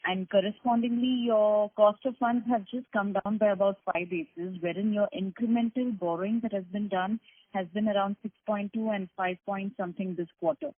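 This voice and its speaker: A woman's voice: medium pitch, steady tone, brisk. A woman analyst on an earnings call, asking detailed, probing questions about figures. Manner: probing, detailed, numbers-focused. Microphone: phone. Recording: husky voice over phone line.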